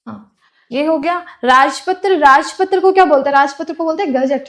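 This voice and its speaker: A woman's voice: high-pitched, normal speed, fairly bright tone. A woman teaching for a clerk exam, explaining terms by repeating them and asking and answering her own questions. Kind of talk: classroom lecture.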